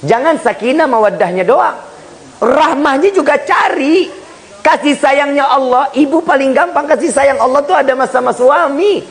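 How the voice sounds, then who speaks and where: A male preacher giving a humorous sermon, speaking straight to the congregation with loud bursts and hushed asides. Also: very high voice, normal speed, rough recording. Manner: jokey, animated, swings between loud and hushed; addresses listeners directly as Pak and Bu.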